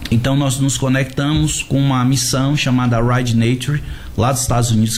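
A man's voice: mid-range voice, a little mellow, a little hiss or hum. A man with a Bahian Brazilian accent, a pastor speaking as a guest in a conversational radio interview. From Salvador, Bahia, Brazil. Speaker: guest, pastor and skate ministry leader.

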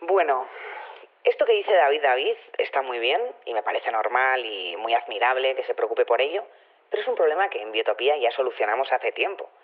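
A man's voice: medium pitch, expressive, brisk. An actor playing a chatty, self-assured male community official, rambling colloquially through a radio interview over a telephone line. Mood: casual, explanatory. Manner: rambling, colloquial, hedging with tag questions. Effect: telephone filter. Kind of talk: improvised-sounding radio phone-in interview. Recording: narrow, tinny phone line.

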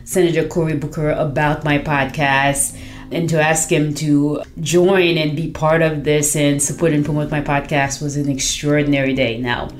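Low-voiced earnest woman podcaster. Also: flat delivery, moderate pace, faint music behind. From Haiti. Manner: earnest, reflective storytelling with frequent fillers. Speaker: podcast host. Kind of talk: personal testimonial.

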